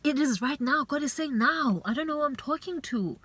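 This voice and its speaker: A woman's voice: sits high, expressive, fairly quick, a bit bright, no room sound. A woman giving an earnest, faith-based motivational talk as a vlogger, urging and repeating herself, with plenty of "you know".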